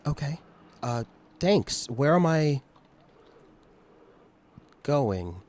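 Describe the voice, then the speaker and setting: A man playing a lonely, resigned dead climber in a tabletop game, halting, subdued and unsure. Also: mid-range voice, big pitch swings, darkish tone, pitched above the performer's own voice.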